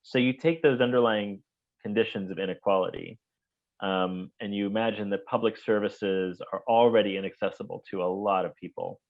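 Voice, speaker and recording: A man answering interview questions as a humanitarian policy expert, explaining in a measured way with some ums. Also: fairly low pitch, steady tone, phone-quality sound.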